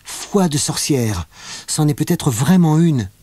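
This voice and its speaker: A man's voice: on the high side, expressive, slow pace, dark tone, no echo, voice pushed up. A man voicing a cheeky, pragmatic young boy in a children's audiobook.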